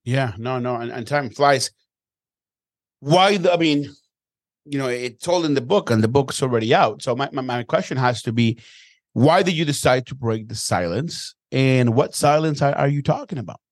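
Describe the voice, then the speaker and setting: A man hosting an interview show, energetic and upbeat, often repeating his first words as he starts a question. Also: mid-range voice, moderate pace, no echo, clean studio sound. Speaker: podcast host.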